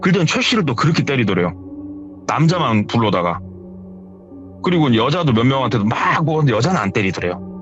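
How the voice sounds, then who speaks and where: Speaking fast at a medium pitch, a man animatedly narrates a horror story sent in by a listener, performing each line of dialogue. Background music plays under dull-sounding audio.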